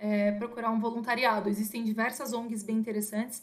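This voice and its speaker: Somewhat breathy, a woman's fairly high voice stays monotone and flat. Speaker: startup co-founder. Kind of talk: casual interview.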